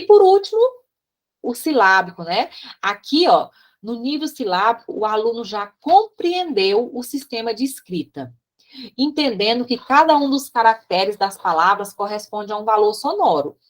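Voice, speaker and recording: A Brazilian woman teacher explaining slides in a recorded class, chatty, with frequent tag questions and asides as she points things out. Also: on the high side. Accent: Brazilian Portuguese.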